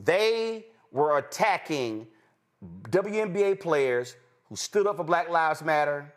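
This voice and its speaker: A man with a Texan accent hosting political commentary, emphatic, jumping between high exclamations and low asides. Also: expressive, slow pace. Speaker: host.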